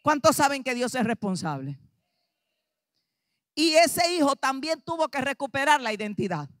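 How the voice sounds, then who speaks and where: A woman pastor with a Dominican Spanish accent preaching an animated sermon, acting out dialogue and rising to shouts. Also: high voice, normal speed, dry recording, studio quality. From Dominican Republic.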